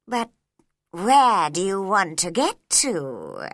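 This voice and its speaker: A woman voicing a grinning, riddling male cat in a storybook reading, speaking in a slow, drawn-out, knowing way. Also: mid-range voice, wildly swooping pitch, dry recording, studio quality, full character voice. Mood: teasing.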